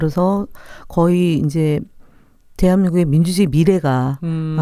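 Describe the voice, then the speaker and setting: A normal speaking voice from a woman, fairly low in pitch, at a moderate pace. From South Korea, Gangneung. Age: 50s. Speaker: politician. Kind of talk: radio interview. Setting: studio.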